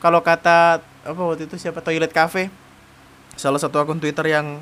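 A young man, talking straight to camera in a loose, blunt monologue. His voice sits high for a man, and he keeps it animated and slangy, acting out mocking bits of dialogue. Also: brisk. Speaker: vlogger giving dating advice. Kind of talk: casual monologue.

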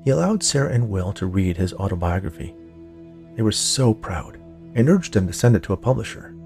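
Here the same kind of gravelly, low-voiced male storyteller reads scripted audiobook fiction for a podcast, with soft music underneath. His tone is darkish, his intonation lively, and his pace a little fast.

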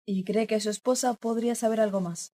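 A woman playing a sharp-tongued female newspaper reporter with an ironic, teasing manner in a radio drama. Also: a little high, steady tone, brisk, close to an everyday voice. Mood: inquisitive. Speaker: journalist.

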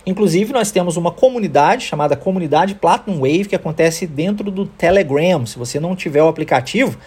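Husky Brazilian male English teacher, patient explainer for a podcast lesson. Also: sits high, expressive, brisk, darkish tone. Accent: Brazilian Portuguese. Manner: explanatory, checks in with "tá?" and "ok?".

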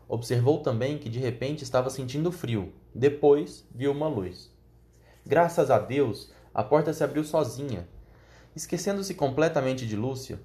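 A man narrating a children's storybook in a steady, measured reading voice. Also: medium pitch. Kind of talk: audiobook reading.

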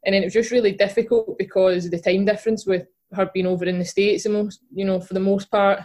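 With a Glaswegian accent, a young Scottish woman who plays football and co-hosts a podcast chats as a guest in a casual interview, full of fillers and restarts. She talks fast in a level, darkish, mid-range voice.

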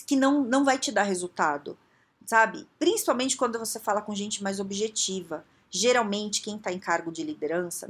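A woman with a Brazilian accent, a coach giving casual advice in an animated way, laughing often and acting out quotes. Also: mid-range voice. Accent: Brazilian Portuguese.

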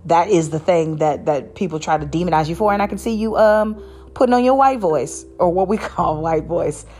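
A woman's voice: on the low side, moderate pace, a little mellow, slight background noise. A woman hosting a casual solo podcast, chatting in a rambling way with many fillers and restarts. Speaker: podcast host.

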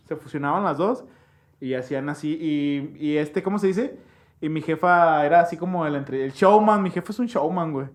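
A man's voice: on the high side, moderate pace. A young man with a Mexican accent tells a childhood story in casual, slangy chat, jumping into voices to mimic people.

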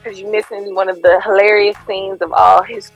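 A woman's voice: mid-range voice, little pitch movement, normal speed, highs cut off, soft background music. A woman co-hosting a podcast, chatting playfully and laughing as she acts out quotes. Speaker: podcast co-host. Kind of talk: casual chat.

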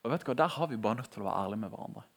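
A young man giving a casual, animated sermon in a conversational tone. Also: medium pitch. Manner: conversational, animated, laughing at his own jokes. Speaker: preacher.

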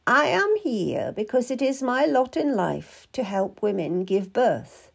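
A woman's voice: on the high side, big pitch swings, measured pace, creaky, slightly rough, pitched above the performer's own voice, full character voice. A woman voicing a stern, secretive older midwife in a storybook, commanding and solemn in manner.

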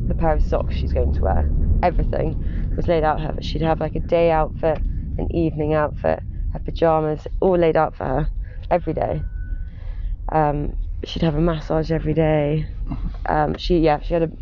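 A British man with a fairly high voice tells stories casually and emphatically, full of gushing emphasis. The recording is a little dull, with faint background noise. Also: steady tone, normal speed. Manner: chatty, gushing, emphatic with exclamations and intensifiers. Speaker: interview guest, former personal assistant to wealthy clients. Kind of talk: casual anecdotal chat.

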